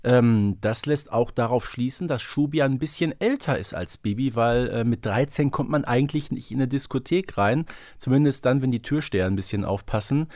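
A man's voice: medium pitch, moderate pace, few pauses, a little mellow, no room sound, studio quality. A man co-hosting a podcast, talking through a topic in casual, conversational speech. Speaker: podcast co-host.

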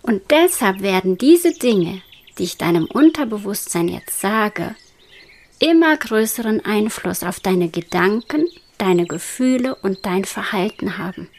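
Slow whispering woman guiding hypnosis. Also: mid-range voice, lively intonation, a little mellow. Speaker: hypnosis guide. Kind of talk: guided hypnosis meditation.

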